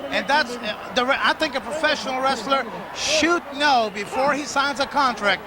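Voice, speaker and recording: A man doing lucha libre announcer commentary as a show host, with emphatic, dramatically drawn-out phrasing. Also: very high-pitched. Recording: noisy archival arena broadcast, crowd behind. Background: loud wrestling crowd.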